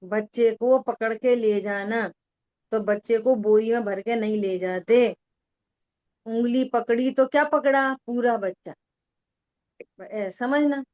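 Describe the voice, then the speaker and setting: A middle-aged woman leads a question-and-answer discussion as a spiritual teacher. Her voice sits a little high, and she explains patiently with homely examples. She often repeats a phrase to drive a point home.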